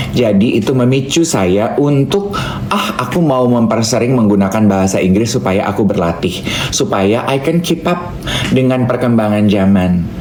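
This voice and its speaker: At a moderate pace, the speech comes through noticeable background noise. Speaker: radio host and MC. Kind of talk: casual morning radio chat. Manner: casual, code-switching with English.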